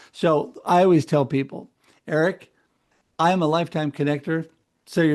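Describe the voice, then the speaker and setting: A man in a normal speaking voice, fairly high-pitched, with fairly even intonation and a moderate pace against a quiet background. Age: 60s. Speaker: inspirational speaker. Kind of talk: interview.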